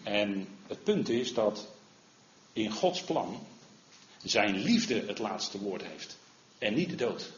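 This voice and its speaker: A man preaching a sermon in an earnest manner, often asking "hè?" and growing louder when he quotes the Lord. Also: on the low side, very animated, slow pace, pauses often, slight background noise. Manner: earnest, rises in volume when quoting the Lord, frequent "hè?". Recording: roomy, slightly dull recording.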